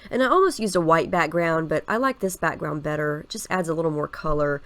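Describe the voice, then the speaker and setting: A woman's voice: low voice, a little fast. A woman in her thirties with a stuffy, scratchy voice from a head cold, chatting casually as she narrates a scrapbooking process. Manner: chatty, relaxed, explains each step with fillers. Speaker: scrapbooking video host.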